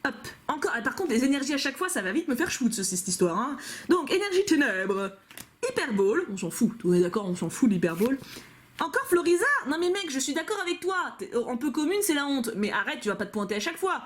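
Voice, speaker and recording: Chatty woman, lively pitch swings. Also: fairly quick. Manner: playful, chatty, giggly, jokes to herself. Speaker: YouTuber opening trading card packs. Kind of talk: casual commentary while unboxing.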